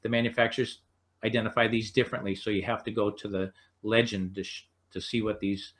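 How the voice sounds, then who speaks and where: A man with an American accent lecturing unscripted as a technical instructor, explaining step by step in halting phrases. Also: on the low side, flat delivery, a bit bright. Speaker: HVAC instructor.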